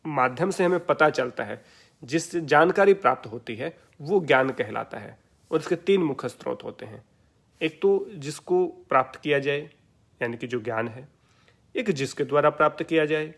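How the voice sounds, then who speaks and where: A man's voice: fairly high pitch, vocal fry. Hindi-speaking man giving a yoga lecture. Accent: Indian. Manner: asks questions and answers them himself, repeats key terms. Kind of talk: explanatory lecture.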